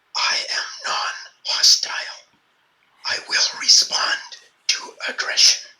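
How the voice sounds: A put-on character voice comes through extremely high and raspy. It goes at a fairly slow pace with long, frequent pauses.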